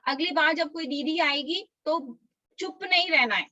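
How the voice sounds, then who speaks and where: Bright high-voiced woman teaching small kids. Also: dry recording, dull audio. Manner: coaxing, slow drilled recitation for small kids. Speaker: Sunday school teacher. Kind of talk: online children's class. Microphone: video call.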